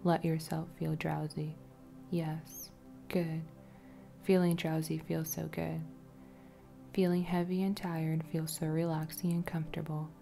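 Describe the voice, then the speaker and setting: A woman playing a soothing waitress hypnotist in an ASMR roleplay, with a soft, often whispery, breathy voice and a coaxing manner. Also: deep voice, little pitch movement, soft background music. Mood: hypnotic, drowsy. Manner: slow, repetitive, soothing, coaxing. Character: friendly waitress turned soothing, commanding hypnotist.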